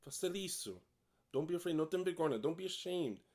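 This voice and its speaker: Native English-speaking man teaching in Portuguese with an English accent, a bit high-pitched, direct and upbeat, repeats every point in both languages. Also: expressive, a little fast, a little mellow. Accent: English speaker learning Portuguese. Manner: encouraging, direct. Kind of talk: casual bilingual lesson.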